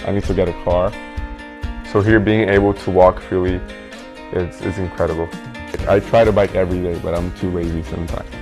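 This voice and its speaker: Deep-voiced young Brazilian man. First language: Portuguese. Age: young adult. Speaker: international student. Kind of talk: promotional video testimonial. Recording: guitar music under the voice. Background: plucked guitar music.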